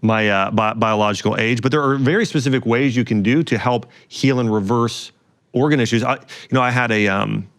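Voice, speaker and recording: A man in his forties, a guest doctor, talking quickly in casual conversation, full of fillers and restarts. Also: medium pitch, no echo, clean studio sound. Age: 40s.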